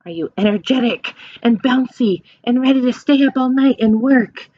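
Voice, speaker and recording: A woman doing a children's read-aloud as a teacher, explaining things in simple questions and animated, encouraging asides. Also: on the high side, moderate pace, dry recording, dull audio.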